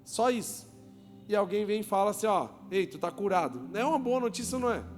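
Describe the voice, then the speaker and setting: A pastor preaching a lively sermon to his congregation, joking with them, asking them questions and calling for applause. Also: high voice, fast. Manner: joking, asks the crowd questions and calls for applause. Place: church hall with a congregation. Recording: long church reverb, music behind.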